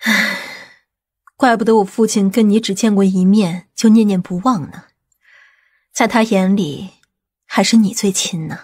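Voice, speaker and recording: A woman as a composed, husky-voiced aunt. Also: medium pitch, unhurried, pauses often, a little mellow. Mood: gentle, reflective. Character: composed, authoritative middle-aged aunt of wealthy family. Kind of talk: audiobook drama dialogue.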